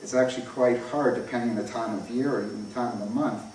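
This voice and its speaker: A man's voice: mid-range voice, fairly even intonation, fast talker, darkish tone. A man with a North American accent gives an informal academic lecture, explaining things and often stressing phrases. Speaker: academic conference speaker. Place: echoey indoor lecture room. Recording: echoey room, distant mic, faint noise.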